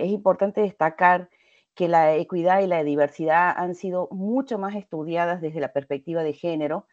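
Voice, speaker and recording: A middle-aged Argentine woman with a slight Portuguese-tinged accent gives a webinar lecture in a measured, hesitant way, speaking from a home office over a headset. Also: fairly low pitch, darkish tone, dry recording. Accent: Argentine Spanish with some Portuguese mixing. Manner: measured, many hesitations and restarts. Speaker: invited lecturer. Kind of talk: webinar presentation. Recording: dry, dull video-call audio.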